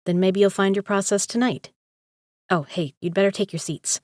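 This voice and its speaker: A woman's voice: medium pitch, fairly even intonation, moderate pace, a little mellow, no echo, lightly acted. Woman acting a tough, wry gambler, dry close sound. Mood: coaching, encouraging. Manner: dry, sardonic, blunt. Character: tough, wry female poker legend, blunt and guarded. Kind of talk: audio drama acting.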